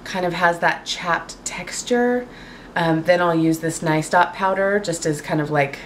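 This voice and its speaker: A woman vlogging casually to camera at home, chatty and full of fillers, her voice a little raspy from a cold. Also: on the low side, measured pace, slight background noise. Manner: chatty, lots of fillers and likes. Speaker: beauty vlogger. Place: home, indoors.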